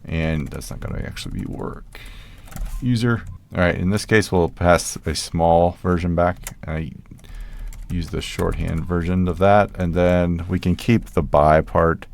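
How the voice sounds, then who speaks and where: A man's voice: sits low, steady tone, unhurried, gravelly, a little mellow. A man hosting a programming tutorial, casually thinking aloud as he types code. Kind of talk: screen-recorded coding tutorial.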